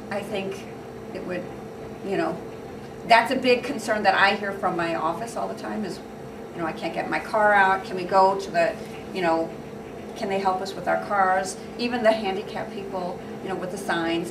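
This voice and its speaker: A woman, a city alderman, answers interview questions and lists her plans in long, upbeat run-on sentences. She sounds like she is some distance from the mic in an echoey room. Clear noise hisses underneath her voice. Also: mid-range voice, fairly even intonation, moderate pace. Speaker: city alderman running for re-election.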